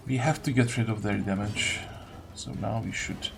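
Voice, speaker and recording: A man's voice: lowish voice, fairly even intonation, moderate pace, vocal fry. A man giving casual video game commentary, grumbling and thinking aloud as he plays. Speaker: gaming video host.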